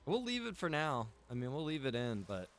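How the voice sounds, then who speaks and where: A man's voice: medium pitch, wildly swooping pitch, brisk. A man giving casual, rambling livestream commentary while gaming, repeating phrases for emphasis. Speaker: game streamer and roleplay server co-owner.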